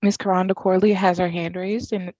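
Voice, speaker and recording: Female staffer, lower voice, plain read-aloud delivery, dry, muffled audio. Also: little pitch movement, a little fast, dark tone, no room sound. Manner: reads chat comments aloud plainly. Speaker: meeting staff reading chat.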